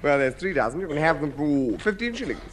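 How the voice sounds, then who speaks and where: An actor playing a smug, genteel householder who keeps selling junk in a 1950s radio comedy, with a wry, sly patter. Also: male voice, fairly high pitch, expressive, fast, some chatter behind, a little hiss or hum, close to an everyday voice. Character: smug, sly middle-class householder, man.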